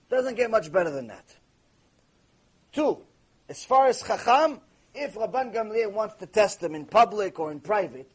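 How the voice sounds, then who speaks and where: Husky-voiced rabbi asking and answering himself. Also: male voice, high voice. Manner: asks questions and answers them himself, emphatic and storytelling; mixes Hebrew terms into English. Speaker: rabbi teaching a Torah class. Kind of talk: lively recorded Torah lecture.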